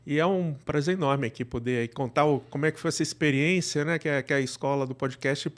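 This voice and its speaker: Middle-aged brazilian guy being interviewed, highish voice, rambly and casual, lots of tag questions. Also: fast. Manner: discursive, peppered with tag questions. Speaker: interview guest, actor and podcast producer. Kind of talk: casual conversational storytelling.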